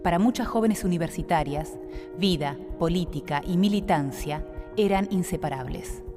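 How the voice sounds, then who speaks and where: Female narrator over loud music. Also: lowish voice, moderate pace. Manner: calm, even reading. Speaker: documentary narrator. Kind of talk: scripted narration.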